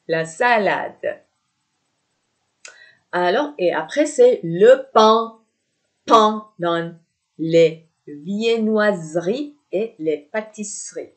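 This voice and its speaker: Slow, patient woman teaching French. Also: mid-range voice. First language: Persian. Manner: patient, repeats each word, glosses in Persian. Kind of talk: slow vocabulary lesson, repeating words.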